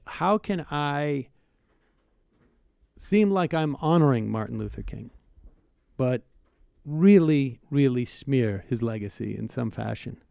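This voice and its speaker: A man co-hosting a comedy show, chatting casually in a halting, sarcastic way. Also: medium pitch, gravelly, a little mellow, clear, resonant tone, no room sound. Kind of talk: casual comedic panel chat.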